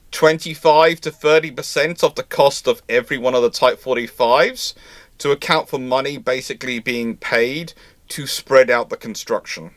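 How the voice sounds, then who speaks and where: A man's voice: medium pitch, a bit bright, dry recording. A man hosting a live naval history Q&A, explaining at length with many fillers and restarts. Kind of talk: live Q&A chat.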